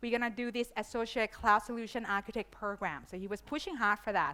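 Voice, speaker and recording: A woman with a Thai accent speaks at a fairly quick pace in an animated tone. Her voice is fairly high with a bright, sharp tone. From Thailand. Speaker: conference speaker, cloud solution architect. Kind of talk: conference talk. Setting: stage with audience.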